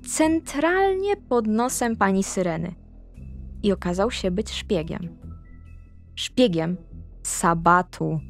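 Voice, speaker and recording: Young woman, mid-range voice, gossipy in-character recap over faint music. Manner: gossipy, confiding, speaks straight to the listener; pitch leaps up when excited. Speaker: player recapping her character's story.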